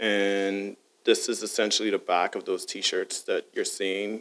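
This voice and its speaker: A man talks at a very slow pace. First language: Haitian Creole. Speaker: artist. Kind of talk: artist talk.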